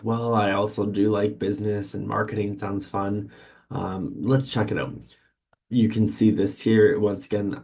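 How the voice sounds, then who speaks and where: A man, an admissions presenter walking viewers through an online form in a relaxed, explanatory way, with frequent ums. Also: fairly low pitch. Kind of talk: screen-share webinar walkthrough. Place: university office in Canada.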